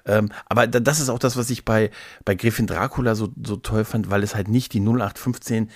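A man in a casual chat as a podcast co-host, talking haltingly, often repeating words and adding tag questions. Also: on the low side, fairly even intonation, no echo, clean studio sound. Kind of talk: casual chat about audio dramas.

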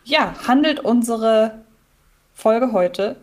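A woman's voice: a little high, expressive, extremely slow. Chatty woman podcast co-host. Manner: chatty, laughs often, many fillers. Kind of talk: casual podcast chat.

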